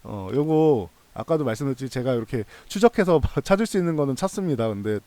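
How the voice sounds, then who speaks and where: A man's voice: medium pitch, lively intonation, quick pace, dark tone, dry recording. A man hosting a stock analysis channel, explaining things in a casual, conversational and reassuring way, repeating points for emphasis. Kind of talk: casual explanatory commentary to viewers.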